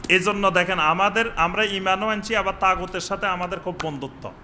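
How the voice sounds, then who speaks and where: A man preaching a sermon in a mosque, chanting Arabic phrases slowly and questioning his listeners. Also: high-pitched, bright, forceful tone, a little hiss or hum. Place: mosque with upper floor and veranda.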